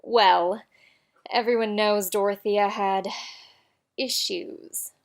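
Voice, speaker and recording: A woman's voice: mid-range voice, steady tone, slow. A woman playing a haughty, threatening college official in an audio drama, with an imperious, scornful manner.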